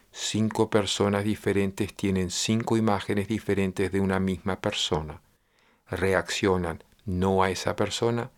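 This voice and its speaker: A man gives a meditation teacher's discourse in a low voice with a noticeable gravelly fry. He explains slowly and repeats his points with patient emphasis. Each idea unfolds in measured steps.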